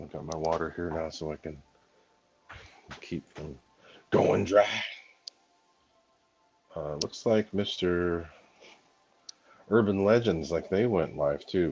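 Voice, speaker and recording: A hoarse man chatting casually on a live stream while unboxing, rambling with lots of ums and talking to his viewers. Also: extremely low pitch, steady tone, unhurried, pauses often, darkish tone, dull audio. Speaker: hobby channel host.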